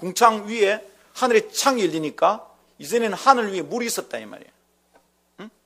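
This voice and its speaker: A man speaks at a high pitch. He goes at a very fast pace. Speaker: pastor. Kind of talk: sermon. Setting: church. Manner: fast when excited; animated.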